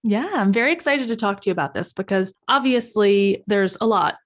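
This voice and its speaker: A woman's voice: mid-range voice, lively intonation, a little fast. Upbeat woman podcast host. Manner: upbeat, encouraging interviewer. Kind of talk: hosting an interview podcast.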